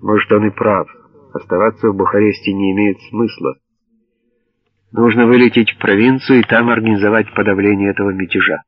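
Low-voiced male audiobook narrator. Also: steady tone, fairly quick, no echo. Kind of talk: scripted narration. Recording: dull lo-fi dry audio.

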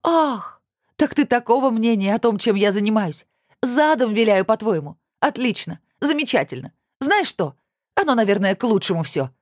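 A man reading an audiobook voices a proud, stubborn young woman who shouts at her ex-fiancé, her voice ringing and close to tears. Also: high voice, expressive, quick pace, no echo, voice pushed up. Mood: indignant. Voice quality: ringing raised voice. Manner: shouting, indignant, near tears.

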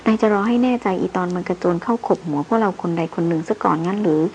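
A woman's voice: mid-range voice, fast, darkish tone, lo-fi sound, slight background noise, lightly acted. A woman reading the lines of an old male jungle tracker who is superstitious, earnest and pleading.

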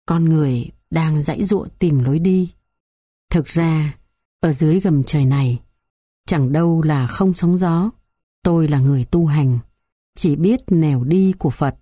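A woman reading the lines of an elderly Buddhist monk, calm and reflective. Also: sits low, slightly rough, no echo, studio quality.

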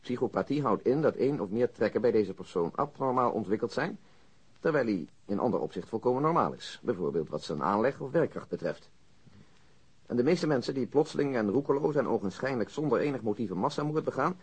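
An actor playing a methodical male police detective in a radio drama, matter-of-fact and measured, as if reciting a report. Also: medium pitch, expressive, darkish tone, husky. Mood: dry, factual. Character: methodical, dry police detective with an exact memory.

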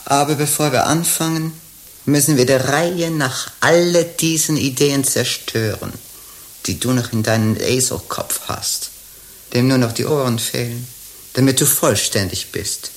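An actress playing a sly, earthy older Gypsy procuress queen in a radio drama, gravelly, teasing and theatrical. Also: very deep voice, unhurried. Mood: conspiratorial.

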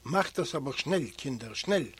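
A man reading aloud voices a warm, fatherly prison guard who speaks gently and a little louder than the narration. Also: mid-range voice, lively intonation, unhurried, breathy edge. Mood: kindly.

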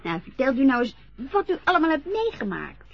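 Dutch-accented young woman as a teasing caregiver, lively and high, lo-fi radio play. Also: a little fast, creaky, a little hiss or hum, exaggerated voice. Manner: playful, teasing questions.

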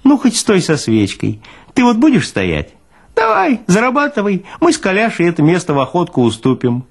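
A man's voice: high-pitched, wildly swooping pitch, moderate pace, vocal fry, breathy edge, voice pushed up, full character voice. A man voicing a burly, smirking senior morgue orderly in an audiobook, with a folksy, mocking, philosophizing way of talking. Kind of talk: dramatized audiobook character reading.

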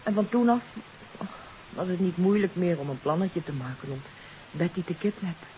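An actress playing a troubled countess in a 1950s radio mystery, confessing earnestly and hesitantly. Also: female voice, lowish voice, animated, moderate pace, natural voice. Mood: confiding. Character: troubled countess confessing her part in a kidnapping. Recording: hissy, dull 1950s radio recording.

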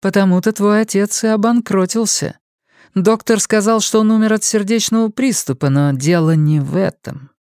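A man's voice: high-pitched, lively intonation, moderate pace, dry recording, studio quality, voice pushed up. A prim, scolding older mother, as a man voices her. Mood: disapproving. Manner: scolding, prim and sharp-tongued. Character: stern, disapproving older mother. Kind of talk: audiobook character voice.

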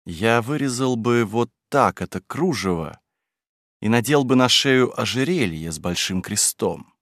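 A bold, cheeky boy of nearly fourteen, murmuring his opinions in a low, confident way, as a male reader speaks him. The sound is dry and close, in a middle pitch. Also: lively intonation, measured pace, a bit bright, no room sound.

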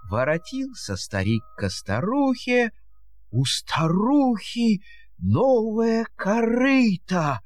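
A man's voice: high-pitched, big pitch swings, takes it slowly, no room sound, studio quality, faint music behind. A man narrating a fairy tale in verse as a storyteller, with a theatrical, singsong delivery.

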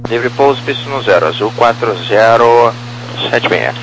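A man's voice: medium pitch, lively intonation, moderate pace, fairly bright tone. A Brazilian man speaking on air traffic control radio in clipped procedural phrases. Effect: aviation radio. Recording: noisy radio with hum.

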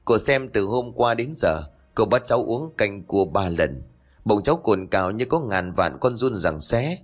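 A man's voice: lowish voice, lively intonation, a little slow. A man voicing a sly, cowardly young lodger who whines and pleads in a spoken ghost story. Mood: complaining. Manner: whiny, pleading.

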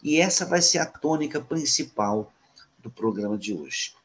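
A man from Brazil hosting a talk program on a remote call, greeting his guests formally and reading a prepared text slowly. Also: medium pitch, lively intonation. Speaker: host. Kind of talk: radio talk show hosting.

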